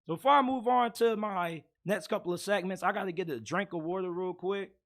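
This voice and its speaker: Hoarse high-voiced man ranting about sports. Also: brisk, a bit bright. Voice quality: raspy. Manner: blunt, opinionated, gets heated. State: hoarse from yelling. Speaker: sports commentator host. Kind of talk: casual sports talk.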